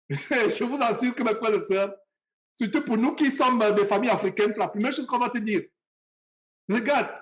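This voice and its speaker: A man from Cameroon, preaching a sermon and speaking straight to his listeners with passion and repetition. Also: very high-pitched.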